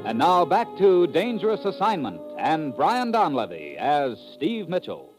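A man's voice: a little high, huge pitch swings, measured pace, poor audio. An American man announcing a 1950s radio promo in a polished, punchy, dramatic style. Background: music.

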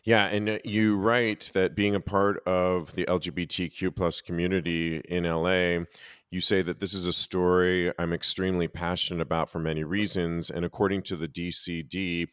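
Deep-voiced male interviewer, dry sound. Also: level tone, moderate pace, smooth, no room sound. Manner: warm, affirming, reads statistics aloud, some stumbles. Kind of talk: interview questions.

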